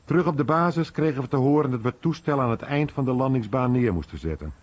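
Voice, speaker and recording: A man's voice: mid-range voice, lively intonation, fast, close to an everyday voice. A man doing a storytelling voice-over of a veteran's memories for a radio documentary. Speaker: voice-over translator. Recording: dull, muffled radio recording.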